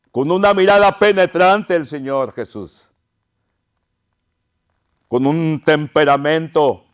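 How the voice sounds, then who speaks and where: A pastor preaching an impassioned sermon to his congregation, crying out pleas and calling them his brothers. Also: sits high.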